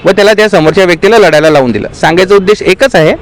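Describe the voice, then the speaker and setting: Local party official, male, higher voice, earnest grievance speech recorded out on the street. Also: racing, a little hiss or hum, rough recording. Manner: aggrieved, earnest, appealing to party workers. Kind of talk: impassioned statement to the press.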